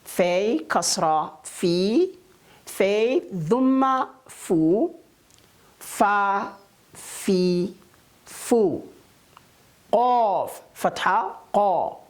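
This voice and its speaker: Slow, lively-toned woman teaching Arabic. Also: mid-range voice. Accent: Kenyan. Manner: slow, deliberate syllable-by-syllable recitation. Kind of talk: slow spelling drill lesson.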